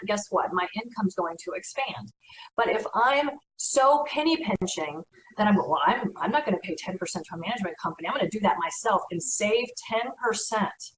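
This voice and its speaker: Woman real estate broker giving advice, kinda far from the mic, roomy echo, bit of hiss. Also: medium pitch. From United States. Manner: earnest, advisory, conversational. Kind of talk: educational talk. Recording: echoey room, from far off.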